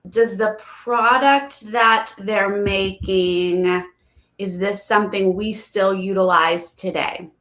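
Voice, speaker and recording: A woman with a bright voice takes her time as a game contestant. She thinks aloud in casual questions, and the room adds noticeable echo. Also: medium pitch, slow pace.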